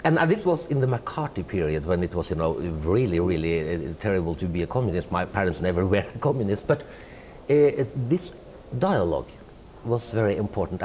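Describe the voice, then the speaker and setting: In an indoor room with a tapestry wall, a Norwegian writer in middle age is interviewed and replies with a Norwegian accent in a lowish voice at normal speed. He is thoughtful but hesitant, full of fillers and restarts, gesturing animatedly with his hands. Slight background noise is audible.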